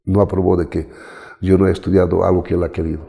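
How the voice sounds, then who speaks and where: A middle-aged Bolivian man, a guest in an interview, telling his life story in an animated way and acting out the people he quotes. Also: low voice, fast, creaky. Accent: Bolivian Spanish. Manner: animated, acts out quoted voices. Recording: long reverb.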